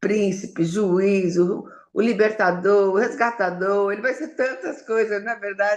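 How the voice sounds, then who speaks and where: A woman with an ordinary speaking voice, medium pitch and ordinary pitch variation, at a fairly slow pace with hardly any pauses. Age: 60s. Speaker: Bible study participant. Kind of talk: Bible study group discussion.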